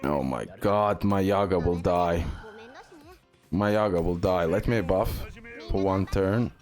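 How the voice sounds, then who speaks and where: A man's voice: low-pitched, takes it slowly, darkish tone, soft background music. A man giving casual, unscripted gameplay commentary as a video host, often repeating short phrases over and over.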